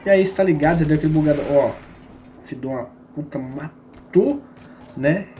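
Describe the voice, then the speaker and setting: A man's voice: fairly high pitch, brisk, mellow, a little hiss or hum. A man with a Brazilian Portuguese accent streaming a shooter game, giving slangy, joking live commentary and teasing his viewers.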